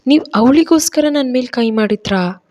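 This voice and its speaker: A jealous, sharp-tongued pregnant young wife from an audio story, played by a woman narrator. She speaks in a raised, scornful tone. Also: fairly high pitch, expressive, moderate pace, lo-fi sound, pitched above the performer's own voice, lightly acted. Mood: shocked. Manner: scornful, then pleading.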